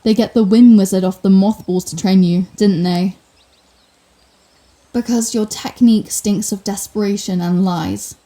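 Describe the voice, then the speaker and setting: A woman's voice: mid-range voice, mellow, close to an everyday voice. A woman playing a sardonic telepathic supervillain in an ASMR roleplay, theatrical and sarcastic, menacing with a hidden compassionate streak. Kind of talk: ASMR roleplay audio drama.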